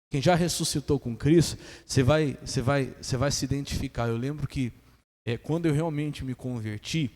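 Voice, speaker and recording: A man with a Brazilian Portuguese accent preaching a sermon as pastor, lively, calling on the congregation to say amen. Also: fairly high pitch. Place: church hall. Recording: long church reverb.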